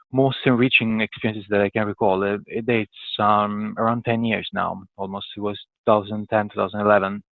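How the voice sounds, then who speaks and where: Heard in a dry but thin, phone-like recording, a lowish-voiced Italian man with an Italian accent answers interview questions as a podcast guest. He's a corporate professional from Italy, and he speaks conversationally, hesitant and thinking aloud in broken phrases.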